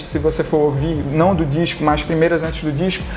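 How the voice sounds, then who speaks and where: In a Pernambuco accent, a man with a high pitch speaks at a moderate pace, with audible room echo and noticeable background noise. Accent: Pernambuco northeastern Brazilian. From Pernambuco interior, Brazil. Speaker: pop singer-songwriter. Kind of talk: interview.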